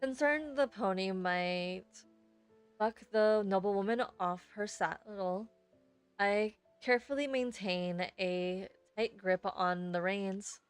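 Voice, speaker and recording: A woman's voice: mid-range voice, slow pace, clear, resonant tone, soft background music. A woman streamer reading a first-person story aloud expressively, sometimes stumbling over words and rereading them.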